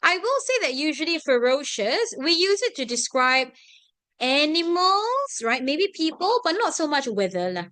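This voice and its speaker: A Singaporean woman teaching an online class, her voice high and sparkling with wide swoops in pitch. She keeps pausing to ask "right?" and "okay?" in a close, dry sound. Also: no room sound. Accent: Singaporean English. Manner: animated, constantly checking in with "right?" and "okay?". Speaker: tuition teacher.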